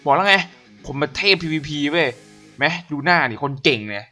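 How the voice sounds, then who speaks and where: A man giving casual gameplay commentary as a gaming YouTuber, excitable and profane, often shouting at the enemies on screen. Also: on the high side, brisk. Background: game music.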